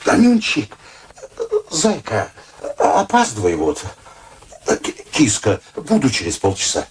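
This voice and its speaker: An actor playing an excitable middle-aged man in a radio play, an evasive womanizer who wheedles and stammers when cornered. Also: fairly high pitch, slow, gravelly, background noise, exaggerated voice. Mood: cooing.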